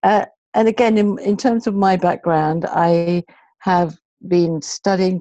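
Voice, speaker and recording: Speaking at a fairly slow pace with a British accent, a woman has a dark, mellow tone and ordinary pitch variation, recorded dry and close with no echo against a quiet background. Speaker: consultant and conference speaker. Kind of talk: webinar presentation. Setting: video call.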